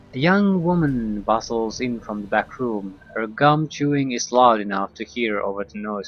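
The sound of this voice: Lively intonation in an unforced reading voice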